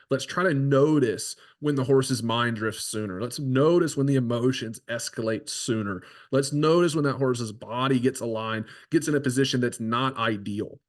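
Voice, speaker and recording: Brief: man, horse trainer and show host, mid-range voice, loose teaching talk with frequent restarts. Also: mid-range voice. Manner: conversational, keeps asking "right?". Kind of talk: casual instructional talk.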